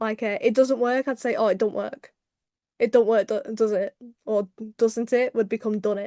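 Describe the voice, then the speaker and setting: With a dark, mellow tone and fairly high pitch, a woman talks at a moderate pace in a monotone, flat intonation, the sound dry and close with no echo. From England, South Manchester. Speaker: interviewee on English accent podcast. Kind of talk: casual interview about accents.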